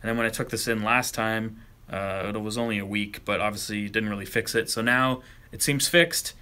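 His voice on the low side, a camera vlogger speaks casually in a home vlog recorded on a handheld cell phone, now and then grumbling a bit. His intonation is fairly even at a moderate pace, and his tone is clean yet sharp.

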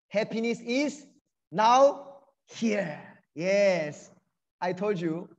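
High-pitched man giving a motivational talk. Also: a little mellow. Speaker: guest lecturer. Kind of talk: motivational online lecture. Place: indoors on a video call. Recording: dull, lo-fi video call.

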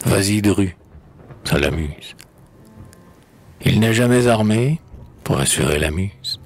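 Slow, gravelly low-voiced man reciting poetry. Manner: theatrical, declaiming verse with sudden rises and drops. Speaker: poetry reader.

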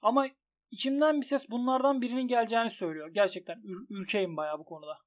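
A young man commenting on his bets as a gaming YouTuber, excitable and swinging from grumbling to shouting. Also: very high voice, fast talker. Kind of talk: commentary on an online gambling site.

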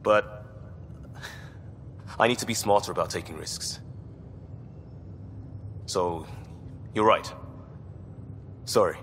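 A man's voice: lowish voice, slow pace, pauses often, fairly bright tone, big-room sound, a little hiss or hum. A man playing an impulsive, earnest young space crewman in a video game, speaking emphatically. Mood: sheepish, relieved. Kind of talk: video game dialogue acting.

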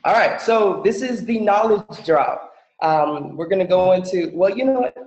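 A man from the Bahamas giving a relaxed, chatty presentation over a video call, with many fillers. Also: sits high, moderate pace. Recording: echoey, dull video-call audio.

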